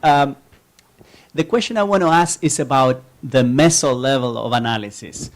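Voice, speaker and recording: Measured Chilean man asking a question. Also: mid-range voice. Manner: measured, careful, with frequent fillers. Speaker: audience member asking a question. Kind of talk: academic question from the floor.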